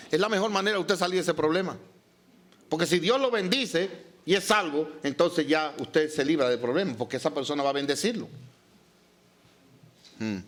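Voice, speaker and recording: A pastor preaching a sermon, reading scripture and asking the congregation rhetorical questions. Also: male voice, high-pitched, a bit bright.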